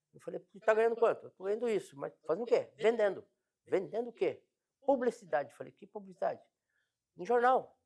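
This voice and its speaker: A man talks very fast, yet leaves long, frequent pauses. His loudness swings widely from moment to moment. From Brazil, São Paulo. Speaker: advertising sales professional. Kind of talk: interview. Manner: halting, many repetitions and fillers.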